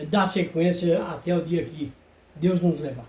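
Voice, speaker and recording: A man is speaking. His pitch is high. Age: 70s. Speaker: retired sports journalist. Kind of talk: interview. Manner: hesitant, many filler sounds.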